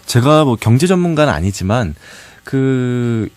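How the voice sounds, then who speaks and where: A man hosting a radio talk show, mostly giving short agreeing replies and gentle follow-up remarks. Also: mid-range voice, sing-song, measured pace, no echo. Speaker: radio host. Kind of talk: interviewer, short backchannels. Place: radio studio.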